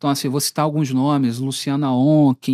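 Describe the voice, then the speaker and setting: This man has a fairly high pitch and a Rio de Janeiro accent. The recording is very clean, with a silent background. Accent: carioca (Rio de Janeiro). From Brazil, Rio de Janeiro (Campo Grande). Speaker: diabetes patient advocate. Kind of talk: casual chat.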